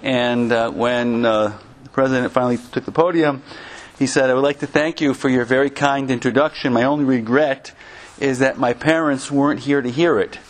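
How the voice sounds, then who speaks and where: An American man from Connecticut giving an informal religious lecture as a Jewish teacher, conversational and halting, with humorous asides. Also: medium pitch, fairly even intonation. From Connecticut, United States.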